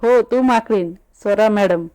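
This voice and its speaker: A woman's voice: mid-range voice, measured pace, dark tone, clear, resonant tone, no room sound, natural voice. A woman voicing a tipsy, childish young woman who slurs and lisps like a small child. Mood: teasing. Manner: slurred, babyish lisping speech.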